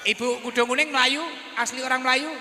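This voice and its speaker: A man, a preacher chatting with his audience and teasing them with quick questions on a handheld mic. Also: very high-pitched, steady tone, pushed and bright. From East Java, Indonesia. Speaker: preacher hosting a gathering. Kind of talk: casual chat with audience members. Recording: roomy hall reverb with faint noise.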